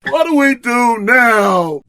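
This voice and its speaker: A man's voice: very high voice, animated, takes it slowly, sharp tone, no room sound, full character voice. An actor voicing a brash, trash-talking tough-guy sidekick in a video game, bombastic and streetwise in exaggerated combat barks. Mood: shocked, distraught.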